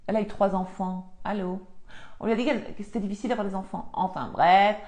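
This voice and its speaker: A spiritual coach chats casually on a live stream from her home office, responding to viewer comments. Her mid-range voice is fast, fairly even in intonation, and a little mellow.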